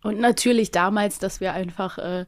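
A woman's voice: mid-range voice, fairly even intonation, moderate pace, no room sound. A woman chatting casually and informally as a guest on a podcast. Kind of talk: casual chat.

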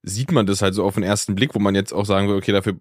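A man's voice: fairly low pitch, fairly even intonation, racing, no echo. A man co-hosting a podcast, speaking hesitantly with short supportive remarks in a casual conversation. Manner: hesitant, supportive, brief replies. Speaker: podcast co-host.

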